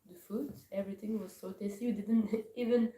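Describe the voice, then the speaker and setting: A woman from Morocco gives a scripture class, pausing often and searching for her words. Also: medium pitch, fairly even intonation, warm tone. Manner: hesitant, searching for words with many pauses. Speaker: class speaker. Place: temple hall. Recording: echoey hall from far off, faint noise.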